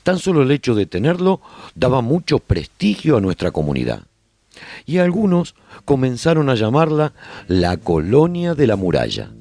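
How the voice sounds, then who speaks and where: A man narrating a radio drama as a survivor chronicling life in his colony, with measured, expressive storytelling. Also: medium pitch. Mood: reflective storytelling. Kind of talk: scripted first-person narration, radio drama.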